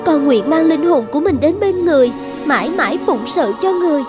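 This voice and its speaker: A woman playing a devout, self-sacrificing young tribal maiden in an animated folktale, earnest and reverent. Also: sits high, a little fast, over music. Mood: reverent pleading. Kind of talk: dubbed animated folktale acting.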